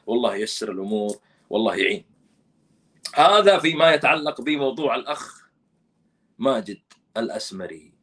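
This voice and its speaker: A man giving casual commentary, animated and scolding, with emphatic oaths. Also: mid-range voice, husky.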